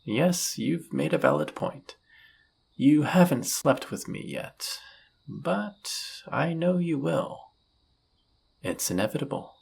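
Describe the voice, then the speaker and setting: A man playing an arrogant demon prince of lust in an audio roleplay, speaking in a suave, condescending, flirtatious manner with a husky, gravelly voice. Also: fairly high pitch, expressive, slow pace, darkish tone, full character voice. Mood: seductive, confident. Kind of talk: scripted audio roleplay addressed to the listener.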